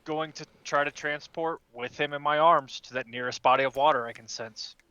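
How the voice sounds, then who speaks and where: Male tabletop player, bright forceful voice, halting improvisation, dry and slightly dull sound. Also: on the high side, fairly even intonation, clean tone, dry recording. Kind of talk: halting improvised game talk.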